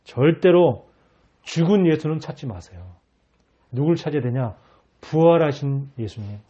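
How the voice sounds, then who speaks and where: A man's voice: fairly high pitch, lively intonation, a little slow, dark tone, slightly rough, muffled recording. A male pastor preaching a sermon, emphatic, asking the congregation rhetorical questions.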